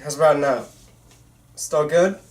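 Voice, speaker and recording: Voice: mid-range voice, a little slow. Echoey amateur reader, casual and stammering. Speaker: amateur actor reading the lead part. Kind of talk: table read of a film script. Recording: roomy, echoey room.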